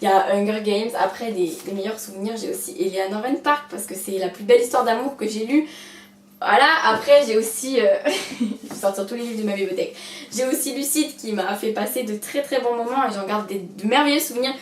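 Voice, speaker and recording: A woman's voice: medium pitch, brisk. A young woman chatting to camera about her bookshelf, hesitant and self-mocking, full of fillers. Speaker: book vlogger. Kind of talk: casual chat to camera. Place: room at home beside her bookshelf. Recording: roomy echo, distant mic, faint hiss.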